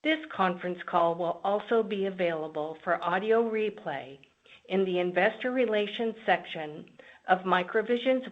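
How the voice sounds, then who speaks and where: A woman formally reading a scripted disclaimer as the moderator of a company conference call. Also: medium pitch. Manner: formal, reads long lists item by item. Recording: dull, band-limited conference call audio.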